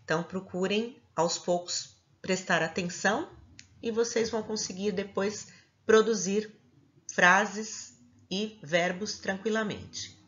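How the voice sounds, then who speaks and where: Slow, patient woman teaching a lesson. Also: medium pitch, fairly even intonation, fairly bright tone, dull audio. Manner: patient, explains step by step, checks in with "tá bem?". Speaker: English teacher. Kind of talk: recorded classroom lesson.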